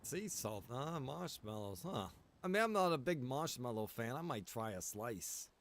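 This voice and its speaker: A man's voice: medium pitch, big pitch swings, normal speed, fairly bright tone, slight background noise. Man playing an easygoing, rambling survivor. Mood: mildly curious. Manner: hesitant, rambling, mild-mannered. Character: easygoing, rambling male survivor making small talk. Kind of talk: improvised online roleplay.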